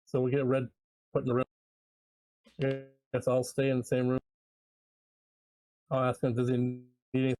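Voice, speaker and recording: A man's voice: medium pitch, completely flat delivery, moderate pace, long pauses, mellow, no room sound, low-quality recording. A man playing a tabletop game, easygoing, speaking in short plain sentences. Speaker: player. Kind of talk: casual play at a tabletop game.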